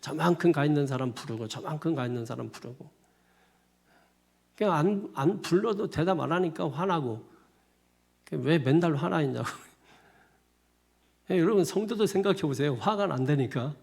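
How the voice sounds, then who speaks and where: A man's voice: on the high side, lively intonation, moderate pace, vocal fry, pauses often, a little mellow, breathy edge. A male pastor giving a sermon in a loose, conversational manner, often repeating himself and laughing at his own asides. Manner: colloquial, repetitive, chuckling asides.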